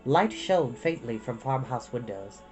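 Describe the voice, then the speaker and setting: Low-voiced, expressive woman storyteller. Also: measured pace, faint music behind. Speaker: storytime reader. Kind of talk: expressive scripted storybook narration.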